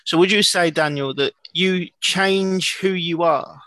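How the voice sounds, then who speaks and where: A man's voice: high voice, measured pace, bright, forceful tone, no echo. A man co-hosting a podcast in casual chat, probing with questions and repeating words as he restarts. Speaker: podcast co-host.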